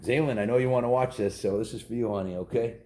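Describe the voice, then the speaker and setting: His warm voice is medium pitched and fast. He is a middle-aged American father presenting a children's story video, talking casually at home and narrating a storybook aloud.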